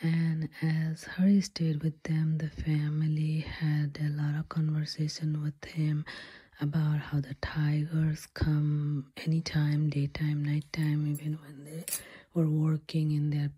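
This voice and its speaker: A woman doing ASMR storytelling in a breathy whisper, halting between short phrases. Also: low-pitched, completely flat delivery, dark tone.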